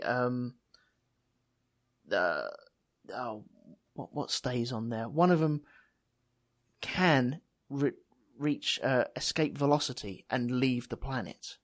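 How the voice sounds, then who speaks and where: A man hosts a loose, chatty podcast at an ordinary mid pitch. He rambles, trails off, and mocks his own grasp of the subject. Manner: rambling, self-mocking, thinks aloud. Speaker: podcast host. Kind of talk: casual chat.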